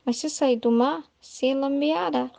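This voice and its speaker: A woman doing a pious soul pleading with her Lord, in a high, gravelly voice. The sound is close and dry, with no room around it. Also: measured pace, a little mellow, dry recording, full character voice. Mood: earnest. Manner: fervent, pleading, heightened. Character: devout woman pleading with Jesus.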